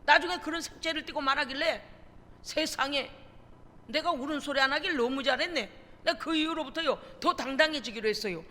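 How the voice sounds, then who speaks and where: A woman pastor preaching a sermon, animated and emphatic, acting out conversations as she tells stories. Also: high voice, fairly quick, big-room sound. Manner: animated storytelling, acting out phone calls. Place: church sanctuary.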